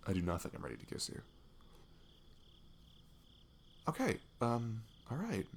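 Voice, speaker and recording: Man acting as a low-voiced, creaky, bashful best friend. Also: huge pitch swings, exaggerated voice. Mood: nervous, relieved. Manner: halting, giggly, soft-spoken. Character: shy, affectionate young male best friend, cuddly and nervous. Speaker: audio roleplay performer. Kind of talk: intimate ASMR roleplay acting. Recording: faint noise, night crickets behind. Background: crickets and night insect ambience.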